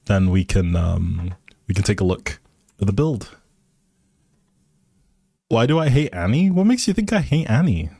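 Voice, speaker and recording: Low-voiced man chatting casually on a stream. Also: expressive, a little slow, vocal fry, pauses often, warm tone, husky, no room sound, studio quality. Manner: playful, teasing, informal banter. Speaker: game livestream host. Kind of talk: casual livestream chat with viewers.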